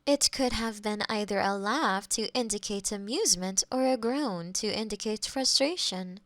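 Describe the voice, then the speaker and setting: A woman's voice: mid-range voice, moderate pace, fairly bright tone, dry recording, lightly acted. A woman playing a polite AI girlfriend eager to please, speaking in stilted, precise phrases in an intimate close-miked roleplay. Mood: formal, sympathetic. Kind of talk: scripted intimate roleplay audio. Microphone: close binaural microphone.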